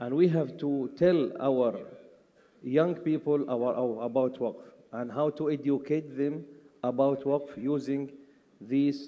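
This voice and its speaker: A man with an Arabic accent speaks very slowly. His pitch is fairly high and varies in an ordinary way. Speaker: conference panellist. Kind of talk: conference presentation. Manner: halting.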